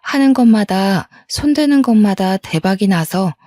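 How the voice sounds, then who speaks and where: A woman's voice: medium pitch, lively intonation, measured pace, warm tone, no echo. A woman narrating a dramatic first-person family story in a scripted storytelling style.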